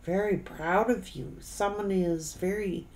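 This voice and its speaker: Slow, halting middle-aged woman reading tarot. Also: medium pitch, darkish tone. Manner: halting, broken phrases with repeats. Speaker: tarot reader. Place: indoor room, seated at a table.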